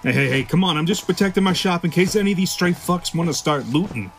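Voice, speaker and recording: A man playing a jaded, foul-mouthed black-market shopkeeper in a sci-fi audio drama, gruff and offhand. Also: sits high, expressive, fast talker, faint music behind. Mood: defiant, agitated. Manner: gruff, profane, offhand storytelling.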